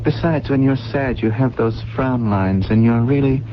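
An actor playing a remorseful man confessing to a crime in a 1970s radio drama, earnest and gently reassuring. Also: mid-range voice, normal speed, close to an everyday voice. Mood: gently consoling. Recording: muffled, noisy old radio broadcast.

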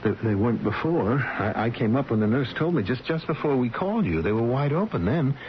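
Radio drama role: actor as fretful middle-aged father, medium pitch, stammering with worry, muffled vintage sound with faint noise. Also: very animated, natural voice. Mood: anxious. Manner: worried, halting, repeating himself. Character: anxious middle-aged father fretting over a sick woman. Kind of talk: old-time radio drama acting. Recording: dull vintage radio recording, faint hiss.

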